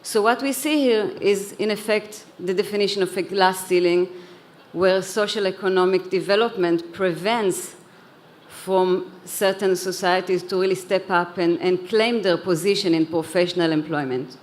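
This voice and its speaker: A woman's voice: lowish voice, fairly even intonation, normal speed. A woman who grew up in Israel, speaking earnestly on a conference panel, with a few restarts and repeated words. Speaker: panelist, head of an education organization. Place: conference hall.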